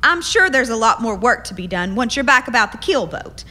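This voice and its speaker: An actress playing a gracious, polite frontier hostess in a radio drama, speaking courteously and genteelly. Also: female voice, a little high, big pitch swings, brisk, sharp tone. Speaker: actor. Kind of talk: stage-like radio drama acting. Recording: clear background noise, clinking dishes.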